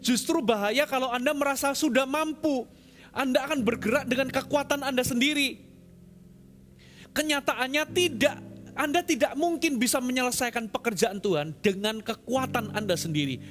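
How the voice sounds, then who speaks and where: A man preaching a sermon as pastor, swinging between loud emphatic lines and hushed, quiet ones. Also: extremely high pitch, normal speed.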